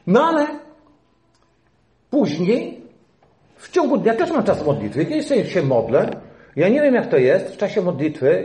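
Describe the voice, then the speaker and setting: Middle-aged male pastor, lively fairly high voice, emphatic preaching in a reverberant hall. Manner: animated preaching, rising to emphatic peaks, dropping to quiet asides. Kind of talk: sermon.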